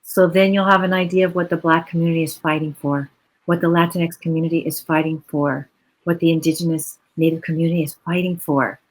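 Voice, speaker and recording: A woman's voice: low-pitched, flat delivery, fairly quick, rough recording. A woman from the United States speaking on a virtual panel over a video call, earnest and reflective, with long flowing explanations.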